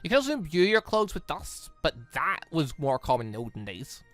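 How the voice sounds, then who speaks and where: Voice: medium pitch, sing-song, brisk, fairly bright tone, no room sound. A game streamer voicing a breezy, knowledgeable female hunter who explains the world to a student in a casual, confident way. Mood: explanatory. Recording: music playing under the voice.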